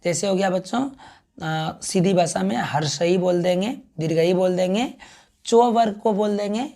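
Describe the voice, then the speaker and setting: A man teaching a grammar class, who keeps calling out to the children, sounds out syllables slowly and answers his own questions. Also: high-pitched, dark tone.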